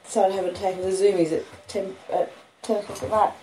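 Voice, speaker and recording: A woman in her fifties with an Australian accent talks fast in a mellow, flat delivery at medium pitch, with a little hiss or hum behind her. At home with her pet dogs, she reads a classic novel aloud in a casual, chatty way and stops to talk to them.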